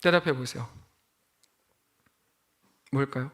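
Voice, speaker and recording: A man giving a sermon as pastor, conversational and joking, acting out quick bits of dialogue as he speaks. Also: medium pitch, a bit bright.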